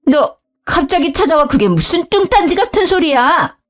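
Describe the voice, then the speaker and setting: A woman voicing a sharp-tongued older mother-in-law who scolds and whines, in a storybook reading. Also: very animated, moderate pace, faint music behind. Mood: scolding. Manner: shrill, scolding, whiny pleading.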